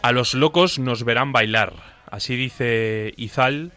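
A man co-hosting a casual radio chat, relaxed and adding details and corrections. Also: mid-range voice, slow pace, no room sound, soft background music. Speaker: seminarian co-host.

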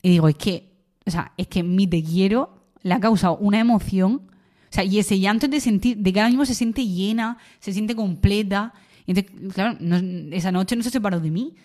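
Young woman guest, earnest testimony, halting with fillers and restarts, mid-pitched voice. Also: a little mellow. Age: young adult. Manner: emotional storytelling with many fillers and restarts. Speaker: interviewee, university student. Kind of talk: personal testimony in conversation.

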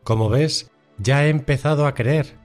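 A man's voice: medium pitch, normal speed, a little mellow, natural voice. A man voicing a desperate man hanging from a branch, pleading frantically for rescue, with faint music behind.

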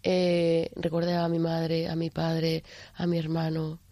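A woman's voice: low voice, monotone, measured pace, mellow, no echo. A woman with an accent from Spain, chatting candidly and emphatically as an interview guest, often repeating herself. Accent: Spanish, from Spain. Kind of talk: candid, chatty personal testimony.

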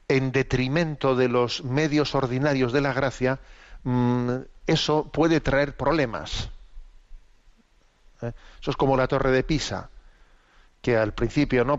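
A man delivers spoken religious commentary in a measured, teacherly manner, often checking in with short tag questions and asking rhetorical questions. His voice sits at an ordinary middle pitch. The recording is slightly dull and lo-fi, with the sound of radio. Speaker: host of a religious commentary program.

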